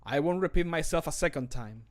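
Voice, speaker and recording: A stern fantasy game guard, acted by a man, with a slightly high male voice. The delivery is measured and formal, as if admonishing someone. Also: lively intonation, lightly acted. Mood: stern warning.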